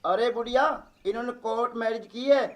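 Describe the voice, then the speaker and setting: A performer voicing a brisk, officious male police constable in a cartoon skit. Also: mid-range voice, fairly even intonation, lo-fi sound, natural voice.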